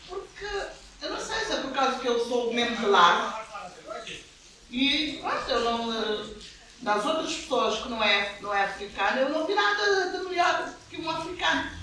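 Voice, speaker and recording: A woman in her fifties from Cape Verde speaks in plain, heartfelt sentences. She is recorded from afar in a strongly echoing space. Background noise is clearly audible. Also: on the high side. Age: 50s. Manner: simple, heartfelt, plain speech. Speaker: hairdresser interviewee. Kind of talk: casual documentary interview. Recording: very echoey, distant, noisy room.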